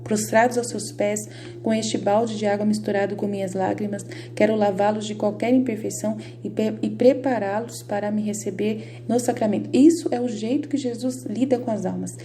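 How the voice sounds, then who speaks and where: A woman's voice: mid-range voice, fairly even intonation, moderate pace, dark tone, a little hiss or hum. A Brazilian woman giving informal, emphatic devotional teaching. She speaks straight to her viewers and repeats her points over and over. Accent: Brazilian Portuguese. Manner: emphatic and repetitive, addresses viewers directly. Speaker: Catholic lay teacher.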